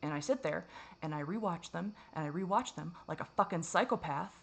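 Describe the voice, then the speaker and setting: Woman vlogger, lowish voice, raw confessional to-camera ramble, curses a lot, trips over her own sentences. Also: lively intonation, fairly quick, vocal fry, husky. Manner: rambling, self-critical, profane, frequent restarts.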